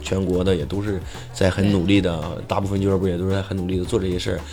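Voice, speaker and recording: Over noticeable background noise and audible room echo, a man talks at a very fast pace in a very deep, low pitch. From Shandong, Liaocheng. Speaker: stand-up comedian. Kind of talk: casual chat.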